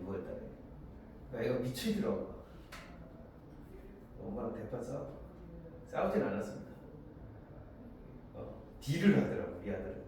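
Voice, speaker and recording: A man in his forties teaching a Korean literature class, lively and animated, often checking that students agree and acting out lines of dialogue in quick voices. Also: mid-range voice. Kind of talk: classroom lecture. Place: large echoey classroom. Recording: very echoey classroom, voice far from the mic, faint hiss.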